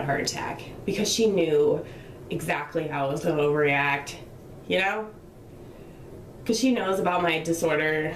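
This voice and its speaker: A woman talks at a fairly quick pace with fairly low pitch and ordinary pitch variation, leaving long, frequent pauses. Noticeable background noise runs under her voice. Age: 30s. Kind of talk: casual comedic rant to camera. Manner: rambling, casual.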